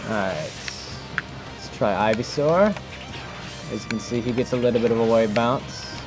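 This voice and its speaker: A man's voice: mid-range voice, normal speed. A man giving casual, improvised commentary as he demonstrates techniques in a video game, thinking aloud in an informal way. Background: music.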